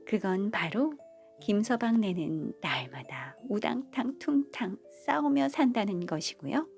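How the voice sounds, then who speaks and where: A woman reading a bedtime folk tale in a gentle, motherly storytelling manner. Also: medium pitch, animated, unhurried, vocal fry. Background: faint background music.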